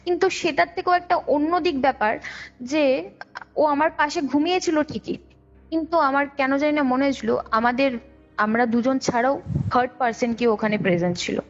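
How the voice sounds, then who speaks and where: A woman's voice: sits high, moderate pace. A young woman tells a personal ghost story conversationally, in detail, circling back over points. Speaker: guest, caller. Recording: dull lo-fi call recording with background music. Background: background music.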